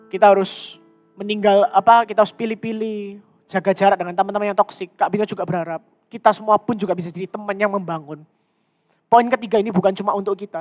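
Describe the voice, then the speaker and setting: A man preaching a sermon to a youth congregation, animated and slipping English phrases into his talk. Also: sits high. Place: church hall. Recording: reverberant hall with music.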